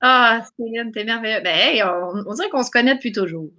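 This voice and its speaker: A woman's voice: fairly high pitch, brisk, sharp tone. A woman with a Quebec French accent, chatting casually and effusively as an interview guest. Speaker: guest, singer and YouTube creator. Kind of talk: casual chat.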